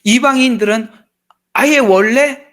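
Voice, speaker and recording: A man's voice: very high-pitched, unhurried, fairly bright tone. A male pastor, preaching a sermon in a chatty, joking way with asides to the congregation. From Gyeongsang region, Korea.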